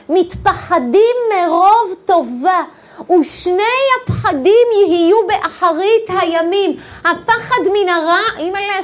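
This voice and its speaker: A woman giving a weekly Torah lesson to women, emotive, moving between soft intimate passages and excited peaks. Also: very high-pitched. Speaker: Torah teacher.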